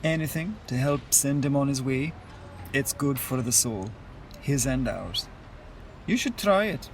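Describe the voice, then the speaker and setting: A man acting in an audio drama as a devout, reassuring Irish Catholic mourner, explaining things gently in a conversational way. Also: medium pitch, expressive, unhurried, a little hiss or hum, low-quality recording. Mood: encouraging.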